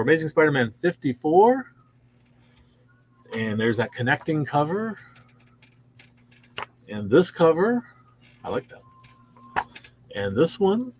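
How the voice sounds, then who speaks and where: A man's voice: on the high side, a bit bright, slight background noise. A man in his sixties hosting a casual show-and-tell of new comics in a store, chatty and easily impressed. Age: 60s. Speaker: comic shop host.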